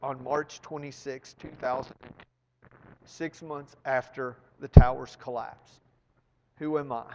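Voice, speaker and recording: A man preaching a sermon to his congregation, speaking earnestly and sinking to a hush at solemn moments. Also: mid-range voice, flat delivery, long reverb tail, lo-fi sound, slight background noise. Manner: slow, earnest, dropping to near whisper. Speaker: pastor.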